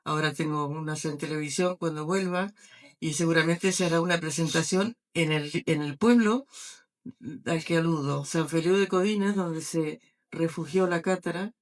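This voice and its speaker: Older Argentine woman, halting speech. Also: low voice. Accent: Argentine Spanish. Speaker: author. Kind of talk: book presentation interview.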